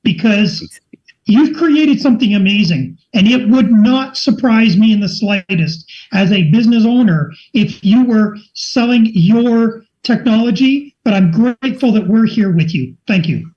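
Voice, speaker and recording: Earnest woman with a mellow voice. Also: a little high, measured pace. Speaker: call participant. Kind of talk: casual video call. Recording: muffled online call audio.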